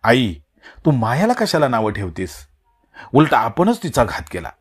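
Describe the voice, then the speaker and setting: A man's voice: medium pitch, wildly swooping pitch, unhurried, slightly rough, full character voice. A male narrator voicing a grown son home from the city, blunt and defiant with his mother. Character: grown son back from the city, restless and resentful.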